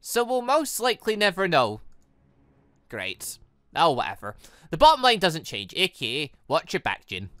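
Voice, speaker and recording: A gaming host with a bright, punchy voice that jumps around in pitch. The sound is dry and close. They read visual novel lines aloud and slip into their own casual commentary. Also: normal speed, no echo. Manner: animated, breaks off into asides and stumbles while reading.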